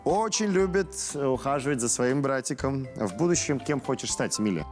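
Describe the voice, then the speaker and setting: A man's voice: medium pitch, lively intonation, brisk, soft background music. A man hosting a children's TV show in a chatty, encouraging, conversational way with children and parents. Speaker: host of a children's TV quiz show.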